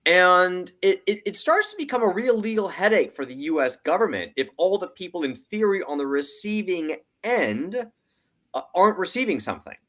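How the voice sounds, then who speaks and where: A man's voice: sits high, very animated, normal speed, a bit bright. A man giving conversational analytical commentary as a financial analyst, explaining emphatically and acting out hypothetical arguments.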